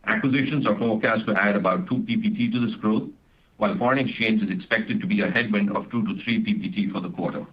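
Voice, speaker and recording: A man speaking as a finance executive on an earnings call, in a formal, measured way. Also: lowish voice, fairly even intonation, breathy edge. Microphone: conference call line. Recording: dull, lo-fi conference call audio.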